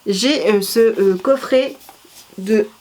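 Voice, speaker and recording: A woman's voice: medium pitch, slow, darkish tone, slight background noise. Chatty rambling woman vlogger. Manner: chatty, rambling, many fillers and self-corrections. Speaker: vlogger presenting her CD collection. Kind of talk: casual chat.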